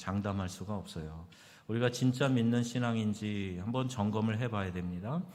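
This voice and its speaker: In a room with audible echo, a man of medium pitch talks at a fairly slow pace with lively intonation. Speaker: pastor. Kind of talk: sermon.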